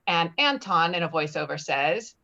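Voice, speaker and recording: A woman reading screenplay directions at a table read in a plain, halting way. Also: on the low side, lively intonation, pushed and bright. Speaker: stage directions reader. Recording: slightly dull, lo-fi audio.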